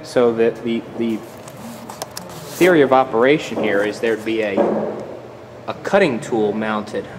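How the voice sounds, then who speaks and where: A man's voice: lowish voice, long reverb tail, background noise. A man hosting a casual vlog tour of a machine shop, easygoing and stumbling over words as he explains. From United States. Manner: easygoing, repeats words while thinking. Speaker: channel host. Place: machine shop at an outdoor engine show.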